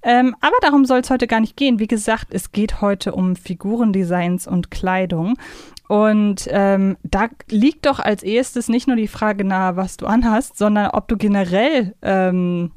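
A woman chats casually as a podcast host. Her voice sits at a middle pitch, recorded close and very dry. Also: measured pace, a little mellow, no echo. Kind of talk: casual conversational podcast chat.

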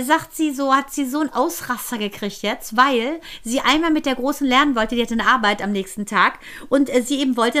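A woman co-hosting a podcast, chatting casually and telling an animated story, acting out the quoted lines and laughing often. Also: on the high side, clear, resonant tone. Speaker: podcast co-host. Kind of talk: casual chat.

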